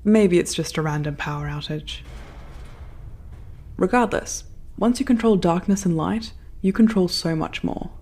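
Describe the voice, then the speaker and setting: An actress playing a reflective, anxious woman recording a log in an audio drama, speaking in a measured, literate way. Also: lowish voice, a little mellow. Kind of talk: audio drama monologue and dialogue.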